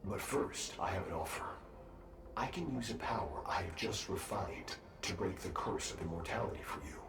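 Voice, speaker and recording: A man's voice: low voice, lively intonation, normal speed. A man playing a proud, aloof master warrior in a video game, speaking formally and with grand self-assurance. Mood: aloof, imperious. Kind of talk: scripted game character dialogue. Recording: echoey distant game audio, loud music.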